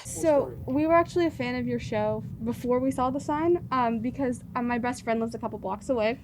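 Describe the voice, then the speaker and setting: Higher-voiced young woman guest. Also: fairly quick, background noise. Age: teens. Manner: friendly, with fillers. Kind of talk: casual interview chat.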